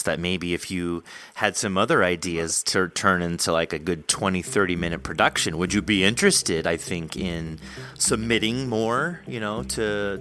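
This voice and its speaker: A man with a fairly low voice and a bright, forward tone hosts a conversational interview. He speaks casually and with enthusiasm, freely complimenting his guest. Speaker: podcast host interviewing an author.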